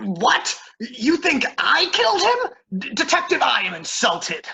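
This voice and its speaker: A put-on character voice, high-pitched and fairly slow, with very wide pitch swings. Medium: comedy sketch. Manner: stammering, nervous.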